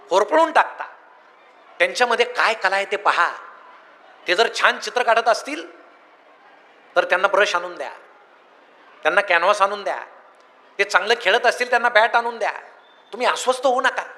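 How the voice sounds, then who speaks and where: High bright-voiced man telling jokes. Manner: jokey storyteller, folksy anecdotes. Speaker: public speaker. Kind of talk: humorous motivational speech. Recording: echoey hall.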